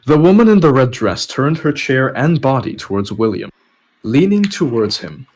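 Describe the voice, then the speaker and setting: A man's voice: medium pitch, big pitch swings, normal speed, a little mellow, poor audio. A man narrating a web novel chapter as a podcast host, reading scripted prose aloud. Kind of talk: story narration with casual asides.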